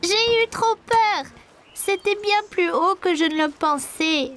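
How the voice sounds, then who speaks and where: An actor voicing an excitable, polite preschool boy in a children's cartoon, with a childlike voice. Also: extremely high pitch, slow pace, over music, heavily acted. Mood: apologetic, timid.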